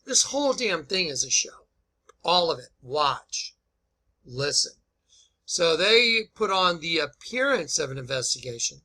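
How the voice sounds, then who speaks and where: A man's voice: a little high, sing-song, a little slow, bright, forceful tone, poor audio. A man with an American accent giving impassioned, urgent commentary in a folksy, commanding manner. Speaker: online commentator. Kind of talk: impassioned commentary on a played clip.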